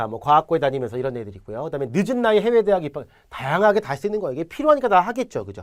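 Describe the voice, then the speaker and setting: At a very fast pace with hardly any pauses, a man at fairly high pitch swings very widely in pitch and greatly in loudness, on a very clean recording with a silent background. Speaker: online chemistry lecturer. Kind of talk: lecture. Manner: casual, many filler sounds.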